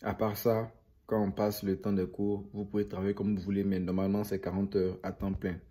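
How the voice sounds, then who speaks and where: A man's voice: lowish voice, level tone, fairly quick, warm tone. A young man chatting casually to viewers as a vlogger, rambling and repeating phrases for emphasis. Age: young adult.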